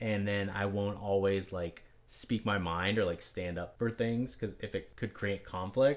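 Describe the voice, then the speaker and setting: The speech moves at a moderate pace with fairly even intonation, in a very clean recording with a silent background. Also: man. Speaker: podcast co-host. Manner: quiet, reserved.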